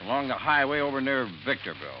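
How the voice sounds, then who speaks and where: An actor playing a gruff, defensive black-sheep carnival roustabout in a golden-age radio drama, blunt and informal. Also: male voice, medium pitch, big pitch swings, fast, close to an everyday voice. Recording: dull, noisy old radio recording.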